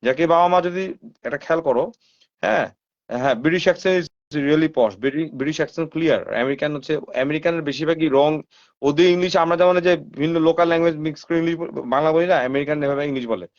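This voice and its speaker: A live-stream host with a slightly high voice talks fast and casually, speaking straight to his viewers and firing rhetorical questions at them. He drops English phrases into his talk, and the sound is dull and lo-fi, typical of a live stream.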